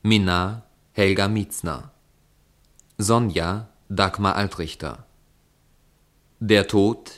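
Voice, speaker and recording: A man reading formal scripted credits as a radio announcer, with measured enunciation. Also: sits low.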